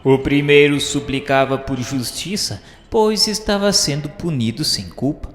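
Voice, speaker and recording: A man with a Brazilian accent giving a solemn, formal, measured dramatic narration, like a scripted radio novela. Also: a little high. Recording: echoey, long reverb, music behind. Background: music.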